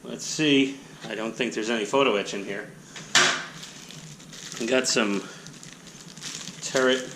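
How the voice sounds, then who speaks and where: A man's voice: medium pitch, slow, heavy background noise. A man with a nasal voice rambling casually and self-deprecatingly while unboxing a hobby kit on an action camera. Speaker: hobby channel host.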